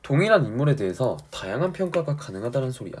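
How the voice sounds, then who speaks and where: Husky male teacher with animated delivery. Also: mid-range voice, fast talker. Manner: didactic, emphatic, often checks understanding. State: sore throat. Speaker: Korean language and literature teacher. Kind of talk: exam-prep lecture explaining a classic story to students.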